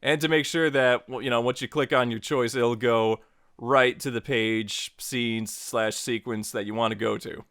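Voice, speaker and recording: A man's voice: mid-range voice, steady tone, normal speed, fairly bright tone, clear, resonant tone, dry recording, clean studio sound. A man narrating a scripted but casual tutorial as its host, with playful, joking asides.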